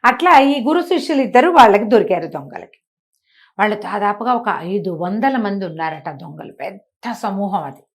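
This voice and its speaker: Woman, children's storyteller, middle pitch, conversational, explanatory asides, rhetorical questions. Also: animated, normal speed. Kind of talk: oral moral storytelling for children, acting out dialogue.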